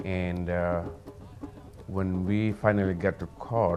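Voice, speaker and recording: A man speaks at a very slow pace with a very deep, low pitch. Music plays behind him. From Gambia, West Africa. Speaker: university professor and community activist. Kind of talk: interview answer.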